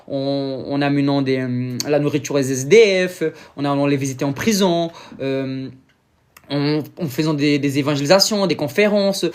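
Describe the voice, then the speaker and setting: A Brazilian preacher, a native Portuguese speaker with a Brazilian accent, delivers an informal sermon in halting French, pausing often to search for words and using many fillers. His voice is on the high side.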